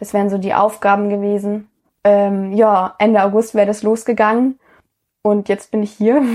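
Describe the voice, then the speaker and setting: A woman's dark, mellow voice in a flat, monotone delivery. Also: medium pitch for a woman, moderate pace. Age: 20s. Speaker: recent school graduate, youth worker. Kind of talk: interview.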